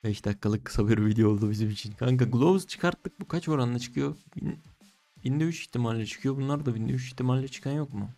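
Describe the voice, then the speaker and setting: A young man giving casual, slangy gaming commentary while opening cases, excitable and pleading, groaning at bad results. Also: medium pitch, brisk. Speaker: case-opening streamer. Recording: faint music behind.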